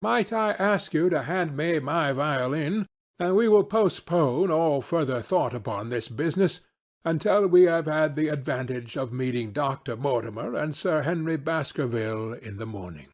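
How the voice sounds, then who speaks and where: A man's voice: on the high side, animated, moderate pace. A man reading an audiobook as a keen, analytical detective, courteous, with a precise, questioning delivery. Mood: musing, deductive.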